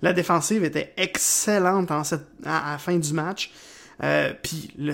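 A man with a Quebec accent at a fairly high pitch, speaking at a very slow pace on a very clean recording with a silent background. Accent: Québécois French. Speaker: sports podcast host. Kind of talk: casual chat. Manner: animated.

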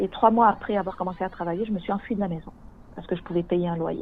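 Medium pitch from a woman, varying in an ordinary way. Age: 60s. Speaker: retiree and volunteer citizen mediator. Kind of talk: personal testimony.

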